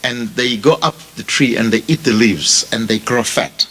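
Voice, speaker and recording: A man with a Zimbabwean accent preaching a sermon as a pastor, speaking deliberately and repeating phrases for emphasis as he addresses his listeners directly. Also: mid-range voice, bright, forceful tone, slightly rough. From Bulawayo, Zimbabwe. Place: funeral service before a congregation.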